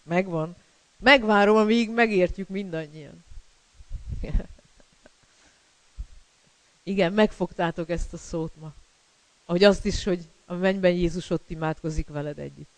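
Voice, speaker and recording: High-voiced, smooth male preacher. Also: long pauses, no room sound, low-quality recording. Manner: emphatic, repeats key words, fillers. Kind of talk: sermon.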